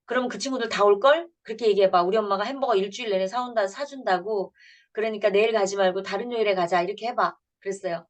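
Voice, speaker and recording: A woman's voice: mid-range voice, quick pace. A woman in her fifties, a pastor giving a church lecture to parents, telling family stories in an earnest way and acting out the dialogue.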